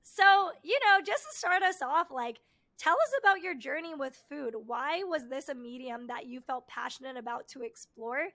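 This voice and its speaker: High-voiced woman host, super upbeat, lots of "you know"s. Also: moderate pace, a bit bright. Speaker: podcast host. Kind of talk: enthusiastic podcast interview.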